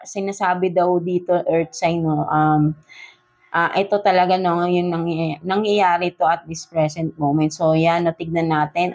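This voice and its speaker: Casting: Filipino woman, low-pitched, relaxed tarot reader who switches between Tagalog and English and keeps ending phrases with a questioning "no?". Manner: mixes Tagalog and English, tags nearly every phrase with "no?". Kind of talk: casual love reading for zodiac signs.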